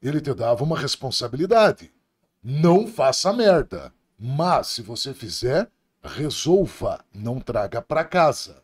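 Animated, blunt middle-aged man. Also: mid-range voice, a little slow, husky. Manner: profane, blunt, laughing. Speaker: police officer guest. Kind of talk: casual podcast storytelling.

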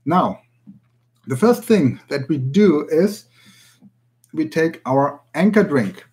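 A man from Germany, a native German speaker with a German accent, giving instructions as a language teacher in a measured, explanatory way. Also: a little high, animated, a little mellow. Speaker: language teacher, academy director. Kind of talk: spoken tutorial to listeners.

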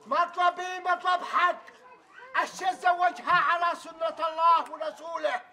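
A man's voice: very high-pitched, flat delivery, moderate pace, bright, forceful tone, soft background music, exaggerated voice. An actor playing a stubborn old man desperate to remarry, speaking with a Yemeni accent and pleading like he is giving a speech. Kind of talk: comedy sketch acting.

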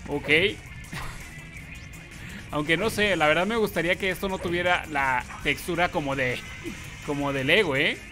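Excitable high-voiced gaming YouTuber man. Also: normal speed, pauses often, over music. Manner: excitable, loud exclamations and playful yelps. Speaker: YouTube gamer host. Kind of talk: gameplay commentary.

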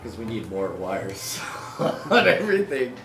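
A middle-aged man in casual, jokey banter, animated and acting out little quotes. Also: fairly low pitch, unhurried, gravelly, faint music behind. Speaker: co-host of a web show. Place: indoor workshop and office set.

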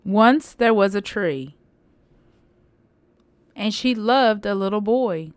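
A woman reading a children's story aloud with expressive, deliberate phrasing. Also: mid-range voice, smooth, no room sound.

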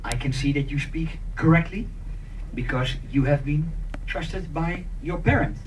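Male demo participant, high-ish voice, deliberate and theatrical, far from the mic with faint noise. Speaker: participant acting in a staged demonstration. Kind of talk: improvised didactic role-play to an audience. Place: conference meeting room. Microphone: handheld mic, picked up by far camera. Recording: distant, noisy room camera pickup.

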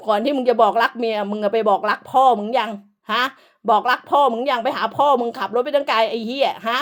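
A woman's voice: on the high side, quick pace. A woman delivering an angry, profane, scolding rant as an online commentator, hurling insults throughout.

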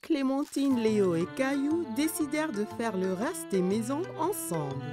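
A woman's voice: high voice, very animated, moderate pace. A woman narrating a children's cartoon in storybook style. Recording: music behind the voice.

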